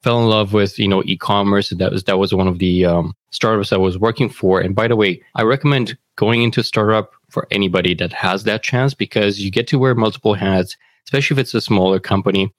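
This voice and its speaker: A man's voice: lowish voice, brisk, few pauses, no room sound. Romanian-accented man, dry close sound. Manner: relaxed, friendly storytelling. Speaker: guest. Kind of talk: casual interview.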